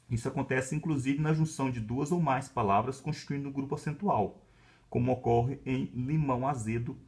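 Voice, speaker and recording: A male university professor from Brazil with a Brazilian Portuguese accent, explaining a lesson in a calm, measured way and often checking in with little tags. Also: medium pitch, vocal fry. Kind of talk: explanatory lecture.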